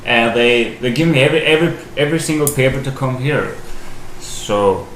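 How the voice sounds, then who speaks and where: A young man from Albania with an Albanian accent, answering interview questions in halting English as he searches for words. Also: mid-range voice, fairly bright tone. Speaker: podcast guest. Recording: echoey room, faint hiss.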